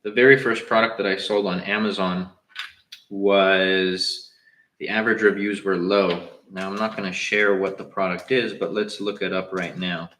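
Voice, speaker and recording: A young man with a Southern Californian accent chats loosely and slangily, answering viewers on a live stream. His voice sits a little low. The room around him rings with echo. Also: fairly even intonation, normal speed, a bit bright, slight background noise. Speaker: livestream host. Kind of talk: casual livestream chat.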